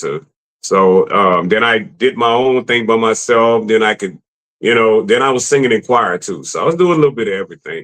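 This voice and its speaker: A man speaks at a moderate pace with a Louisiana accent, his medium-pitched voice carrying a bright, sharp tone. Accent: US Southern (Louisiana). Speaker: soul singer. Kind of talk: interview.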